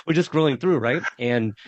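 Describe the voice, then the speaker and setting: A man's voice: mid-range voice, a little slow, no room sound. Casual male podcast host in his thirties, meandering and full of "um"s, dry lo-fi sound. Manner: rambling, many fillers and restarts. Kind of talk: casual interview chat.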